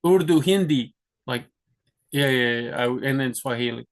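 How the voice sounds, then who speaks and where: A man's voice: medium pitch, moderate pace. A young man from the US, talking casually about his own plans in a rambling way, with many restarts and fillers. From United States. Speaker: vlogger. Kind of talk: casual talk to camera.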